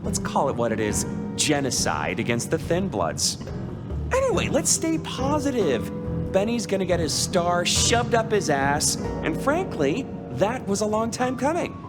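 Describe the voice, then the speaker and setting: A man's voice: high-pitched, huge pitch swings, measured pace, loud music behind the voice, exaggerated voice. An actor voicing a flamboyant, foul-mouthed male vampire in a video game, campy, theatrical and teasing. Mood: sardonic.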